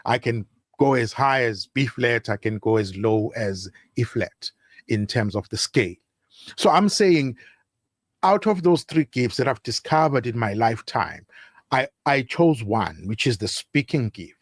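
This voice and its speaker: A man's voice: mid-range voice, animated, measured pace, no room sound. A man from South Africa, a guest on a talk show, speaking at length in an expansive, speechifying way. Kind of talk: talk-radio interview.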